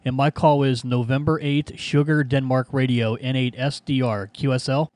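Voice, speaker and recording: A man's voice: medium pitch, fairly even intonation, normal speed. A man with an American accent talking casually as an amateur radio operator, repeating key phrases. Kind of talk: ham radio contact, casual exchange. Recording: loud background noise and clicks.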